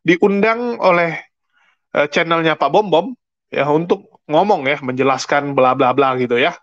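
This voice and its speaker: A man's voice: fairly high pitch, a little slow, fairly bright tone, dry recording, highs cut off. A man with an Indonesian accent giving a casual commentary monologue, explaining with everyday examples. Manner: chatty, explains with everyday examples and mock English. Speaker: religious commentary channel host.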